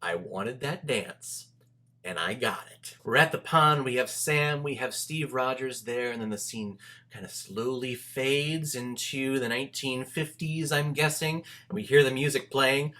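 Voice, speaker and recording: A man giving a casual, enthusiastic film review straight to his viewers, talking in an animated, emphatic and informal way. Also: mid-range voice, measured pace.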